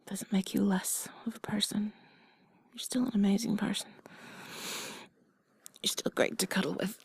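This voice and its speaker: A woman voicing a tender, affectionate partner in a whispered role-play, breathy, gentle, intimate and reassuring. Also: medium pitch, little pitch movement, moderate pace, no room sound. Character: tender affectionate female partner comforting a loved one.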